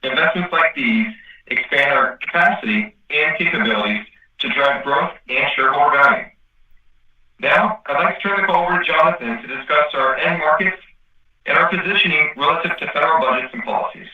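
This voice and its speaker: A man's voice: on the high side, a little fast, distant mic. Roomy dull call audio, strong echo, male finance executive, businesslike, scripted financial report. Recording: echoey, dull conference call line.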